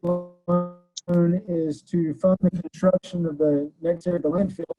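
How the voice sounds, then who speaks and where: A man, a consulting engineer, giving a measured report to a county board over a remote call whose audio keeps breaking up. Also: high voice, flat delivery, mellow, faint music behind. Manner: measured, plain briefing with filler pauses. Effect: choppy call audio that keeps breaking up. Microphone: remote call-in line. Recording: tinny, breaking-up phone line.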